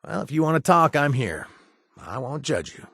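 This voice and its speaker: An actor playing a gruff, washed-up ex-raider who now runs a bar, sardonic and joking one moment, earnest and grateful the next, in video game voice lines. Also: male voice, fairly high pitch, very animated, normal speed, fairly bright tone, no echo, studio quality, full character voice. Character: gruff washed-up male ex-raider bartender, wry. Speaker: game companion character.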